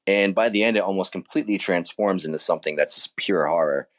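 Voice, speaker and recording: A man's voice: deep voice, fast talker. A man speaking casually as an author being interviewed, keen and reflective about his work.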